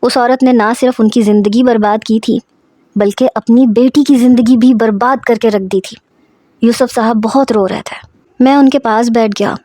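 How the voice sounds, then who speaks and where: A woman narrating a scripted story in a steady, even storytelling manner. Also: fairly high pitch, dry recording.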